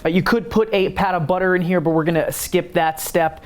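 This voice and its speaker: A man's voice: sits high, steady tone, a little fast. A man hosting a home cooking tutorial, chatting casually and explaining each step as he works in his kitchen. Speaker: home cooking channel host.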